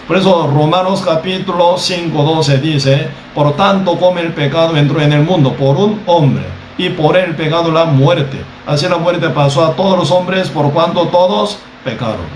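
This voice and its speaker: Teaching from the pulpit, a Costa Rican preacher speaks with measured delivery and a somewhat raised voice, repeatedly asking "¿verdad?" to check in with those listening. Faint ambient noise and a roomy echo fill the recording.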